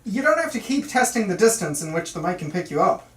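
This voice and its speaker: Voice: medium pitch, big pitch swings, fast talker. A person reading a supporting part at an amateur script table read in a casual, questioning way. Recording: echoey room, distant from mic.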